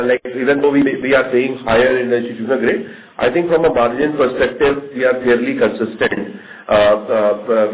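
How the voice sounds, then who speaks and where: A man with an Indian accent answering as a company executive on an earnings call, halting often and repeating words. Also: mid-range voice. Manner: halting, frequent stalls and repeats. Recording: tinny phone line, faint noise.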